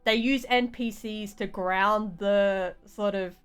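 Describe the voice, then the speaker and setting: A woman game streamer giving casual live commentary, rambling and halting as she thinks aloud. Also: mid-range voice, steady tone, clean tone, soft background music.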